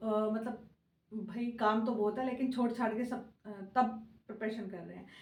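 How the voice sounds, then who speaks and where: Quiet and fairly high-pitched, a woman talks in a room with audible echo. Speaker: online exam coaching teacher. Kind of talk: tutorial. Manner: quiet, low energy; halting, many fillers.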